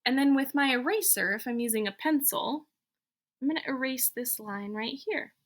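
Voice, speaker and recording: A woman's voice: sits high, normal speed, a bit bright. A woman, a schoolteacher, leading children through a step-by-step drawing lesson with simple, encouraging instructions, thinking aloud as she goes. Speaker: elementary school teacher.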